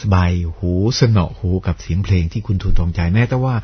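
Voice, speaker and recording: A man's voice: low-pitched, a little fast, breathy edge. A man with a Southern Thai accent hosting a radio show in casual, chatty talk, self-deprecating and full of fillers and restarts. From Southern Thailand. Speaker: radio host. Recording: dull lo-fi radio recording.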